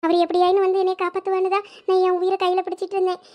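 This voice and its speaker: A woman's voice: very high voice, monotone, rapid-fire, darkish tone. A woman voicing a despairing captive young wife who speaks tearfully and pleadingly. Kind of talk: audio drama acting.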